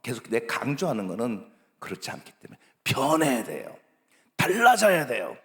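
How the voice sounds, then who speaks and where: A middle-aged male pastor preaching a sermon, dropping to hushed whispers and rising to loud, pleading emphasis. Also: medium pitch, big pitch swings, normal speed. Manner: acts out parents scolding children. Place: church sanctuary. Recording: long church hall reverb.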